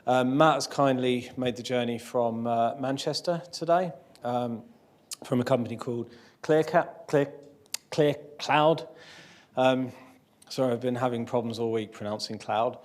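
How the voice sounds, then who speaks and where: A man's voice: medium pitch, steady tone, unhurried, darkish tone. A man organising a tech meetup who introduces the speaker, hesitant and self-deprecating, with many fillers. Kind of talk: event introduction. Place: meetup venue, live audience.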